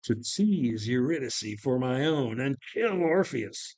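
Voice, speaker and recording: A man's voice: mid-range voice, lively intonation, takes it slowly, a little mellow. A man playing a swaggering, coaxing villain who lures young women, in a dramatic play reading. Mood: leering. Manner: leering, coaxing. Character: swaggering male villain luring a pretty girl.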